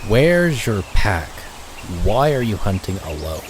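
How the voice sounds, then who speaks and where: Give me a commanding wolf leader for an audio drama, deep-ish, very unhurried, over faint nature ambience. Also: male voice, big pitch swings, a little hiss or hum. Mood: challenging. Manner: authoritative, deliberate. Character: commanding male wolf, patient head of pack. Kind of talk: dramatic audio fiction acting.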